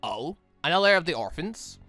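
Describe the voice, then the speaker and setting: Man voicing a brash, lively young woman, bantering. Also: a little high, moderate pace, gravelly, no room sound, faint music behind, exaggerated voice. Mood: curious, impatient. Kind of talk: reading visual novel dialogue aloud.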